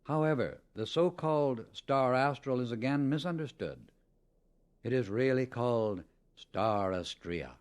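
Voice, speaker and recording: A man with a mid-pitched voice narrates a spiritual teaching from a script. His delivery is solemn and deliberate, placing firm emphasis on key words as an audiobook reader would.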